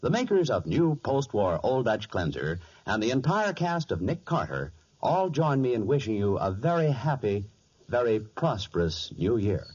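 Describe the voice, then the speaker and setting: A man's voice: mid-range voice, big pitch swings, normal speed, darkish tone. A man announcing and narrating in a formal, emphatic 1940s radio style. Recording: muffled 1940s radio recording.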